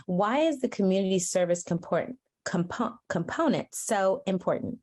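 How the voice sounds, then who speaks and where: A woman's voice: medium pitch, lively intonation, darkish tone. A woman moderating a press event, reading out questions and introducing the speakers. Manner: reads questions out, brisk introductions.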